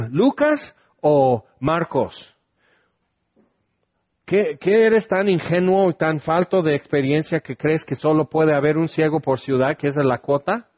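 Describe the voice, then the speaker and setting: A man's voice: a little high, normal speed, few pauses, darkish tone, no echo, lo-fi sound. A man preaching a conversational sermon, asking his listeners questions and acting out the lines he quotes.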